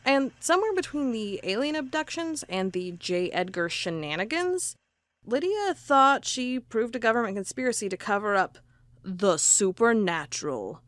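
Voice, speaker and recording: A woman's voice: fairly high pitch, big pitch swings, moderate pace, a bit bright. A woman playing a wry, curious investigator who records a log and reads old case files in an audio drama. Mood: wry, intrigued.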